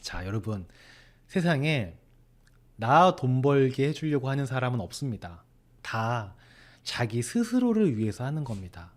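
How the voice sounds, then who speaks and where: A man's voice: mid-range voice, very animated, a little slow. A middle-aged man hosting his own channel, telling a story to camera with rhetorical questions and acted-out bits of dialogue. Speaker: financial consultant, channel host. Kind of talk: talking to camera, explainer.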